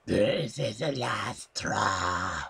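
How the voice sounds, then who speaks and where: A man voicing a menacing, hungry creature in a breathy, rasping whisper. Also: fairly low pitch, expressive, very slow, sharp tone, full character voice.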